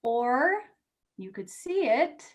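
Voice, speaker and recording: A woman's voice: fairly high pitch, very animated, slow. A woman acting in a play reading as a blunt, wry magazine editor who is a loyal, teasing friend. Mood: firm, encouraging.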